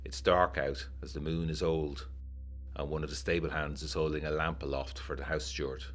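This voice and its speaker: An actor playing a haunted, uneasy war veteran of the 1920s, narrating his letters in a measured, literary, brooding way for a gothic audiodrama. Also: extremely low pitch, little pitch movement.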